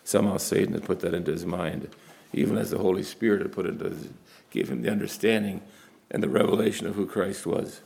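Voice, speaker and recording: A man's voice: sits low, fast, vocal fry, darkish tone. A man preaching a conversational sermon, rising in force when he quotes scripture.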